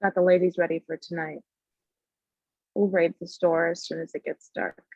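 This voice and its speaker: A woman's voice: fairly low pitch, flat delivery, normal speed, a little mellow, dry recording, highs cut off. A woman acting a protective, resolute, commanding character at a screenplay table read. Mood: firm, urgent.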